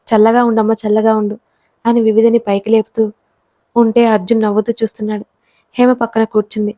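Woman reading a story, flat and mellow. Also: medium pitch, no room sound, poor audio. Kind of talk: scripted audiobook narration.

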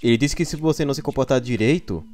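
A woman putting on a deep, menacing cartoon monster and alien voice. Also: fast, heavy background noise.

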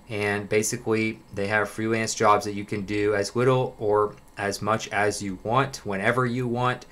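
A man's voice: lowish voice, fairly bright tone. A young man casually talking through job listings on a screen share, listing details with frequent fillers. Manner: conversational, lists details, many fillers. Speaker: online jobs video host.

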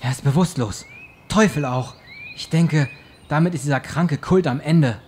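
A man's voice: on the high side, moderate pace, darkish tone, natural voice. An actor playing a grim, resolute man recounting his ordeal in an audio drama. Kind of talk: audio drama acting, storytelling. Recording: clear vehicle noise behind voice.

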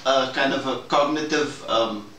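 A man speaking in a measured, hesitant and formal way in a reflective debrief conversation. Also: mid-range voice, a bit bright. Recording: roomy, distant mic, faint noise.

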